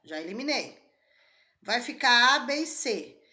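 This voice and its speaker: This is an exam-prep lesson: a woman teacher explains a test question stage by stage and quizzes her students along the way. Her voice sits on the high side, sing-song, a little slow, and pushed and bright.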